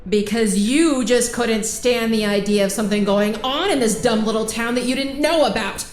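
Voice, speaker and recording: In an audio drama, an American actress voices a fierce, wounded young woman, a lawyer berating an old friend, speaking at normal speed with light acting. Her delivery is sarcastic, emphatic, bitter and accusing. The recording sounds roomy, with a faint rumble underneath.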